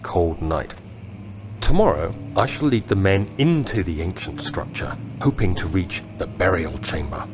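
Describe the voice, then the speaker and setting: An actor with an English accent playing an earnest, anxious young gentleman explorer in a video game, with measured, literate diction. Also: sits low, noisy background. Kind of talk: dramatic diary narration in a video game. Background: music.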